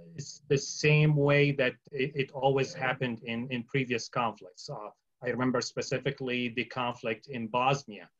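A man speaks with an Arabic accent at a fairly slow pace. The background is quiet. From Syria. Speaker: surgeon; panelist. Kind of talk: panel discussion. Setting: video call. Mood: serious, reflective. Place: home room. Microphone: video call.

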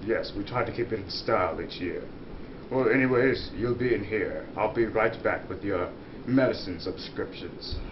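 Using a cartoonish character voice at medium pitch, a man speaks over loud background noise. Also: moderate pace. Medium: puppet show. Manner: curt, bossy.

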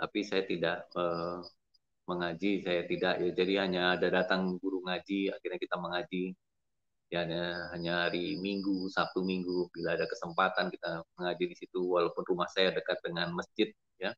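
A man with a very deep, low pitch, at a moderate pace, in monotone, flat intonation. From Indonesia, Bogor; Indonesia. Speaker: dentist sharing conversion testimony; guest. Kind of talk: testimony. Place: home room. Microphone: video call.

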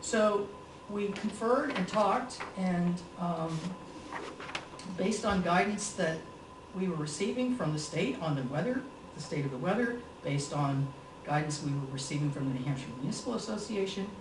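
Amid noticeable background noise, the speech moves at a moderate pace with long, frequent pauses. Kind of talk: formal public meeting statement. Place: meeting room. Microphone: camera far.

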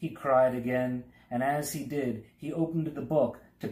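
A voice reading aloud in a natural voice

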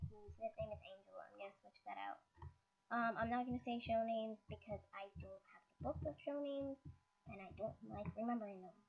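A woman speaks with big swings in loudness. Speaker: gamer narrating gameplay. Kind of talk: casual game tour voice-over. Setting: low-quality computer mic. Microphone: webcam.

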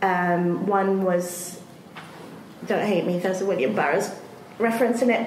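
With fairly even intonation and a medium pitch, a woman talks at a moderate pace over noticeable background noise. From Goa, India (commune), later London. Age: 40s. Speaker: artist. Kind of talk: public conversation. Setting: stage with audience.

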